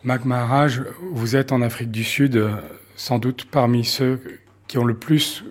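A man's voice: mid-range voice, steady tone, measured pace. A man interviewing a guest for a radio documentary, asking questions hesitantly with many "euh" and repetitions. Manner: hesitant, with "euh" and repeated words.

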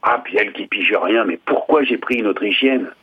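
A man's voice: lowish voice, fairly quick, slightly rough, narrow, tinny audio. A man playing a gloomy doomed king who talks in a mumbling, mock-casual way in a comedy sketch.

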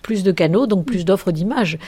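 A woman's voice: mid-range voice, animated, moderate pace, mellow, husky. A woman speaking as a guest in a radio panel discussion, firmly qualifying her points.

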